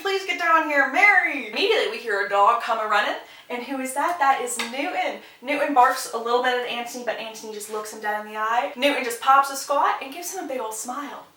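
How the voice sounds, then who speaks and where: Young woman gushing through a show recap, kinda high voice, echoey room and sounds far from the mic. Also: a little hiss or hum. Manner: animated, gossipy, quick asides. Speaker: host. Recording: distant echoey room recording.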